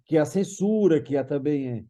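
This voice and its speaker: Brazilian man, soft dark tone, slightly high pitch, loose digressive panel talk with restarts and tag questions. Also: lively intonation, normal speed. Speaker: panel participant discussing a TV writer's work. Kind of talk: casual conversational explanation.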